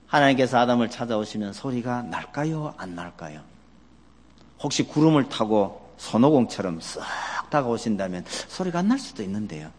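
A male pastor delivers a sermon with a swinging, expressive pitch, throwing question after question at his congregation. His voice rings out with a long reverb tail, as if recorded in a large church sanctuary. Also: normal speed. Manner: asks the congregation many questions; animated, acts out quoted voices.

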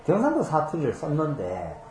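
Speaking at a moderate pace with a fairly high, a little mellow voice and wildly swooping pitch, a male pastor teaches the Bible conversationally. He explains scripture patiently with homely examples and rhetorical questions. The sound is roomy with a little hiss or hum.

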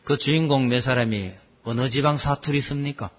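A man preaching a sermon as pastor, asking the congregation questions and swinging between loud and soft. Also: mid-range voice, moderate pace. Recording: long hall reverb.

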